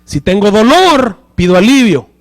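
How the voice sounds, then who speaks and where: A man's voice: sits high, very animated, moderate pace. A male pastor preaching a sermon in church, often checking with the congregation through rhetorical questions.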